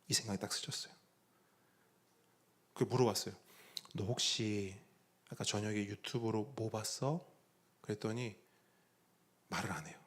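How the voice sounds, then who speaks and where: Animated middle-aged male pastor preaching. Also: mid-range voice. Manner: animated storytelling, acting out quoted voices, asking the congregation questions. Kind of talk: sermon. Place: church sanctuary.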